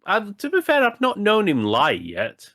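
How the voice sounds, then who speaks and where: A man co-hosts a gaming podcast, chatting casually in rambling, self-correcting sentences and swearing now and then. His voice is high-pitched and a bit bright, with huge pitch swings and a slightly slow pace. The studio-quality recording has no echo.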